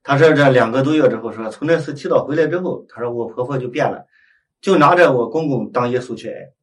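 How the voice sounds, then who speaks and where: A man preaching as a Catholic priest, telling a story with lively acted-out dialogue and frequent tag questions to his listeners. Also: medium pitch, quick pace. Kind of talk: storytelling sermon. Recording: voice heard from a distance.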